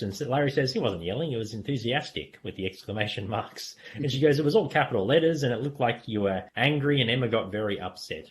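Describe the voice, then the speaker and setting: A man with a fairly low voice talks as a podcast host. He retells scenes in a casual, conversational way, often amused by what he describes. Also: a bit bright. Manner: chuckles often while retelling. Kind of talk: casual scene-by-scene recap of a TV comedy episode.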